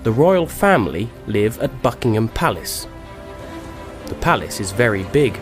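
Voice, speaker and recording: A man with a low, steady voice reads a scripted narration for English learners. He speaks slowly and clearly, and loud background music plays under the recording the whole time. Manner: slow, clear and even.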